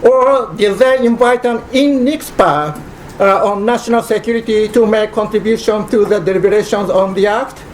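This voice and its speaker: A Japanese scholar speaking English at a press conference, measured and dryly ironic, with many "uh" pauses. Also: male voice, sits high, a little hiss or hum, poor audio. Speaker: constitutional law professor at press conference. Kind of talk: prepared press statement. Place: press club conference room.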